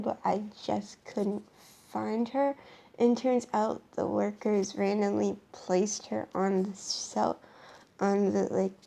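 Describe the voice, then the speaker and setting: Young Canadian woman vlogging at home into a camera, hoarse, mellow-toned, rambling. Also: mid-range voice. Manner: rambling, lots of ums and restarts. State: hoarse, voice worn from shouting. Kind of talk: casual show-and-tell vlog.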